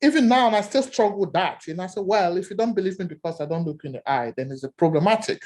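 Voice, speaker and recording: A man with a Nigerian accent, giving animated seminar remarks as an academic discussant and telling stories with many repeated words. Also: high-pitched, quick pace.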